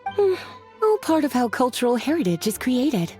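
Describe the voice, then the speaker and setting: A woman voicing a relaxed adult woman mage who teases fondly, in a video game. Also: high-pitched, normal speed. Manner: languid, affectionately teasing. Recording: game audio with faint music.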